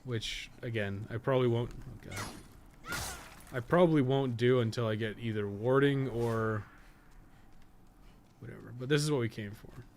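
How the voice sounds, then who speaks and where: A man's voice: mid-range voice, normal speed, pauses often, darkish tone. A man gives casual, unscripted gameplay commentary, thinking aloud in a rambling, self-deprecating way with some mild swearing. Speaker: podcast co-host and game streamer. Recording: clearly noisy background.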